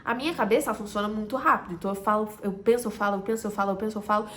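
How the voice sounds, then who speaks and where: A woman with a Carioca Brazilian accent teaches to camera as a communication coach. Her voice sits at a middle pitch for a woman. She talks emphatically and sometimes drops to a soft voice before rising again. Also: steady tone, racing, slight background noise. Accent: Carioca Brazilian Portuguese. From Rio de Janeiro, Brazil. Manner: emphatic, drops to a soft voice to make a point, then rises again. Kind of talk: direct-to-camera teaching talk.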